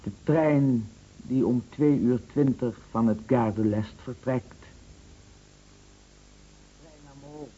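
An actor in a radio drama playing a jealous, scornful husband who talks in a sarcastic, insinuating way with emphatic repetitions. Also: male voice, mid-range voice, slow, long pauses, warm tone, lightly acted. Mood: accusing. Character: bitter jealous husband, scornful and taunting, set on exposing lies. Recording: dull, noisy old radio play recording.

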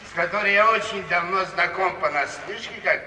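An actor playing a gruff, blunt gentleman of about fifty in a radio play, stiffly formal. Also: high-pitched, moderate pace. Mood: stiffly gallant. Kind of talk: 1950s Soviet radio theatre acting. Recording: old noisy radio recording, echoey and distant.

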